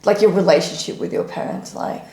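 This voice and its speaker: A young woman from Japan hosting a podcast, asking quick follow-up questions in casual chat. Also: medium pitch, mellow. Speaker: podcast host. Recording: echoey room.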